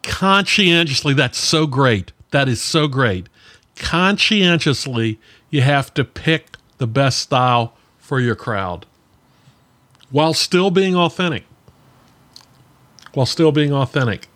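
A man co-hosting a podcast, talking in an animated, casual way with self-deprecating asides. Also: medium pitch, slow pace. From Virginia, US. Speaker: podcast co-host. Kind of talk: casual conversational talk.

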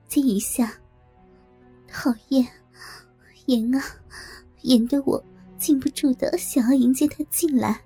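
A woman narrating a first-person audio story in a breathy, halting way, stammering at times. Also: a little high, mellow.

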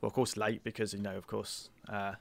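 A man's voice: on the low side, little pitch movement, a little fast, vocal fry, dry recording. Man, Essex accent, thirties, casual podcast guest, slangy, rambling, dry recording. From Essex, England. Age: 30s. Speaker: podcast guest and tabletop gamer. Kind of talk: casual chat.

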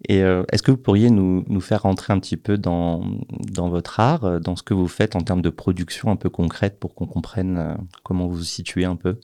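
A man's voice: low voice, fairly even intonation, normal speed, few pauses, warm tone, no room sound, clean studio sound. A man hosting a radio interview, asking questions in a polite, conversational way.

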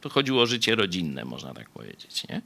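A male pastor speaks in a low, breathy voice with vocal fry, moving fairly quickly through a conversational Bible study sermon. He often tags lines with a questioning "nie?" and swings lively between soft remarks and raised emphasis.

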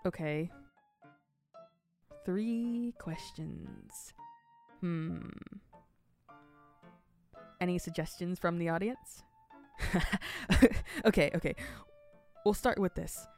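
A woman's voice: fairly low pitch, expressive, extremely slow, gravelly, long pauses, a little mellow, faint music behind, heavily acted. A woman playing a teasing camp announcer. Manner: playful and prying, with a whimsical announcing patter. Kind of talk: audio drama acting.

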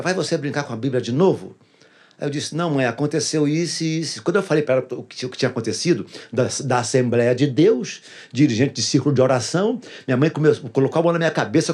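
Husky man telling his testimony. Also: on the high side, a little mellow. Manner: earnest storyteller who repeats phrases for emphasis. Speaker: pastor. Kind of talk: personal testimony in a casual interview.

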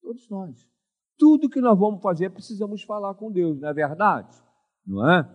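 Lively older pastor preaching. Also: male voice, sits high, moderate pace. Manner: animated preaching with frequent call-and-response questions to the congregation. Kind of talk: sermon.

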